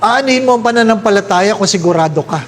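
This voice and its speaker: A Filipino priest giving a Catholic talk with jokes, telling stories in an animated way and putting on high-pitched voices for his characters. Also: fast talker, slight background noise.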